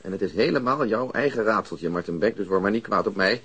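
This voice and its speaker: A low voiced dry cop in a radio play, talks quick, bit of teasing. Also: male voice, lively intonation, fairly bright tone, husky. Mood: dryly teasing. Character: dry, unflappable male police colleague, needling. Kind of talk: Dutch radio drama acting, conversational.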